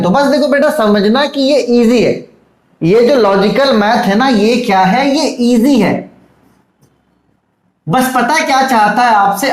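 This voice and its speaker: A man giving a casual video lecture as an online tutor, fatherly, calling his students "beta" and checking they follow. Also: very high-pitched. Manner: fatherly, calls students "beta", keeps asking "theek hai". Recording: echoey room.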